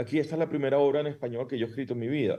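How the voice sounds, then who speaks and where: A fairly high-pitched male voice with a dark, mellow tone and ordinary pitch variation. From Venezuela. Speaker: theatre director and playwright. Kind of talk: interview. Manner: halting.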